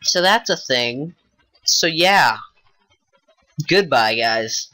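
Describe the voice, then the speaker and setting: A man's voice: medium pitch, lively intonation, drawn-out words, sharp tone, dry recording, poor audio. A man giving casual gameplay commentary, rambling offhand and thinking aloud with many fillers, sounding tired. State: tired, yawning. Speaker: gaming YouTuber.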